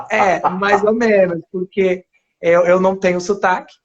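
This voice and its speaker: A man from Paraíba who grew up in São Paulo and speaks with a São Paulo accent, a guest actor chatting casually in an interview, rambling with restarts and soft laughs. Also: high-pitched, fairly even intonation, a little slow, crowd noise. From Paraíba, Brazil. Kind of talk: casual interview on a live stream. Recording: dull lo-fi live stream audio.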